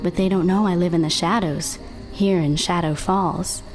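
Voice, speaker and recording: A woman's voice: lowish voice, steady tone, a little mellow, faint music behind, natural voice, rough recording. Woman as a haunted teenage girl narrator. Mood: confiding. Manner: deliberate, confiding, dramatic. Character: haunted, confiding teenage girl telling her story. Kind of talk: scripted audio drama narration.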